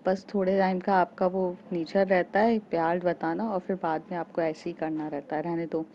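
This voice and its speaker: A woman's voice: fairly low pitch, little pitch movement, moderate pace, mellow, muffled recording, a little hiss or hum, close to an everyday voice. A woman voicing a jealous young woman student who scolds sulkily and possessively, in a storybook romance. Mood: angry.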